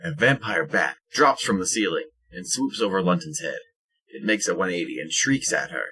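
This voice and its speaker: Deep, bright, husky male narrator. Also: animated, normal speed, poor audio. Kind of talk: scripted audio drama narration.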